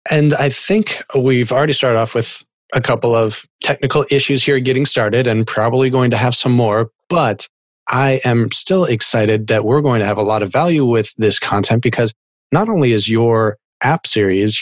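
A man's voice: fairly low pitch, no echo. A man hosting a podcast interview over a video call, friendly and talking in long run-on sentences. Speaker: podcast host. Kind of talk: casual interview.

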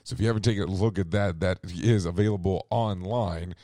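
A man's voice: deep voice, a little fast, dark tone, dry recording, clean studio sound. A man hosting a radio show and losing his voice, rambling through the news with sarcastic asides and self-corrections. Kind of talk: casual news commentary.

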